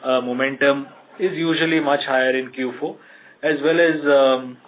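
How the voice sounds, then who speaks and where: A male executive with an Indian accent explains things in a measured, halting way on an earnings call. His mid-range voice comes through a narrow, muffled conference line. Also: medium pitch, fairly even intonation. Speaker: company executive answering analyst questions.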